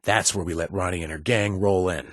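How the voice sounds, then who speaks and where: An actor playing a gruff but awkward, loyal wasteland bartender in a video game, with a husky voice and a halting, casual delivery. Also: male voice, low-pitched, fairly even intonation, fairly bright tone, no echo, studio quality. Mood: businesslike. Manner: halting, stammering, casual and self-deprecating. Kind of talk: naturalistic video game dialogue.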